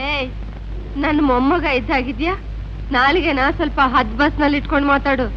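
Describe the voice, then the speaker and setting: A woman's voice: sits high, steady tone, normal speed, a little hiss or hum, natural voice. An actress playing a pious old grandmother who prays in lament and scolds rude young men. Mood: indignant. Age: older. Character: pious old grandmother, sharp-tongued when insulted. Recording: dull film soundtrack with faint music.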